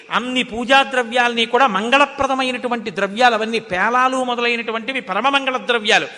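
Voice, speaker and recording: An older man with a Telugu accent gives a devotional discourse, his voice unusually high and piercingly bright. He shifts into slow chanting for Sanskrit verses, and a long hall reverb trails every phrase. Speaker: religious discourse speaker.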